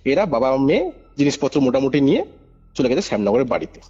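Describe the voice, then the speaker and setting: A husky, warm-toned man phones in with a ghost story, his medium-pitched voice swinging widely in pitch as he talks quickly. The call sounds muffled and has music behind it, and he keeps stressing points, repeating phrases and asking if the listener is with him.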